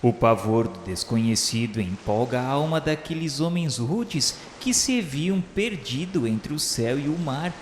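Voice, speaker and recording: A man's voice: mid-range voice, big pitch swings, unhurried, few pauses, a little hiss or hum. A man with a Brazilian accent reading a solemn, literary radio novela narration in a formal, reverent, declamatory manner. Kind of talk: solemn scripted literary narration of a spiritual history. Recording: echoey reverberant hall sound, music underneath. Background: background music.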